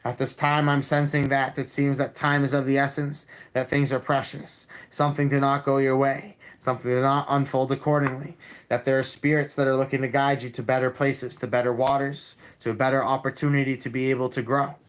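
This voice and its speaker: Guy doing tarot on a livestream, pretty flat even voice, calm, says things twice. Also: mid-range voice, a little fast. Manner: calm, repetitive, with many restarts. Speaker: tarot reader streamer. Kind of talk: live-stream tarot reading and chat.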